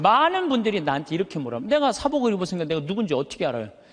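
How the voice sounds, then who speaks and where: Racing at a very fast pace, a man with a high, resonant voice makes very wide pitch swings. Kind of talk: voice people take for a voice actor's.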